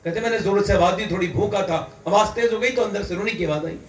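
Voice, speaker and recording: A man from India preaching an impassioned sermon, fervent and building to loud emphatic peaks. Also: high voice. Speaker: Islamic preacher. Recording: echoey hall, distant mic, faint ambience.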